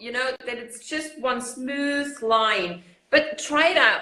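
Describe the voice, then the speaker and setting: Speaking with a non-native accent, a woman talks at a very slow pace in a high pitch. Her pitch varies in an ordinary way, and room echo is audible. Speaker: resin artist. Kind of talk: live-stream tutorial.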